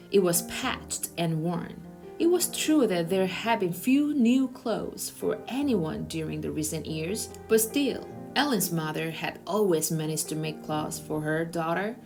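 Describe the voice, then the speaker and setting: A woman reads a children's novel aloud as its narrator. Her voice sits a little low, with soft music playing behind it. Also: vocal fry.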